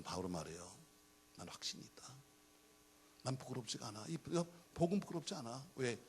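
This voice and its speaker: A man's voice: medium pitch, breathy edge. A middle-aged man preaching a sermon as a pastor, telling jokey stories and acting out the dialogue. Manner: animated, jokey storytelling with acted-out dialogue.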